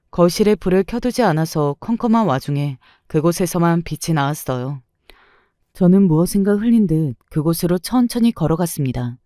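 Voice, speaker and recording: A woman's voice: deep voice, dark tone, no room sound, clean studio sound. A woman in her sixties narrating her own story in the first person, in a confiding, reflective tone. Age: 60s.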